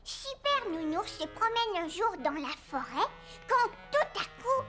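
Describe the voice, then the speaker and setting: Cartoon little boy, four, cheerful and eager, very high voice, unhurried delivery, music underneath. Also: very animated, sharp tone, heavily acted. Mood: playful, excited. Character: cheerful four-year-old boy, playful, eager, imaginative. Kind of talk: children's cartoon dialogue in French. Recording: music behind the voice.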